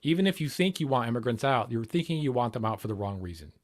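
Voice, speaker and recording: A man's voice: medium pitch, lively intonation, fast. Argumentative man hosting a livestream. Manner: argumentative, rambling, swears. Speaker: livestream host. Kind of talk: casual political livestream commentary.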